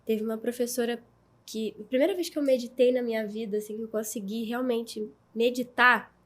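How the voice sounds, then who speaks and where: A woman's voice: on the high side, steady tone, brisk. A woman co-hosting a podcast, chatting casually and telling personal stories expressively. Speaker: podcast co-host.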